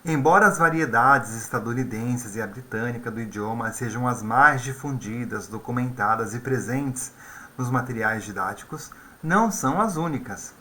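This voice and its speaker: A man's voice: mid-range voice, a bit bright, a little hiss or hum. A man teaching an English lesson in a conversational way, often tagging his sentences with questions. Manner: conversational, with frequent tag questions. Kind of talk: video lesson explaining vocabulary.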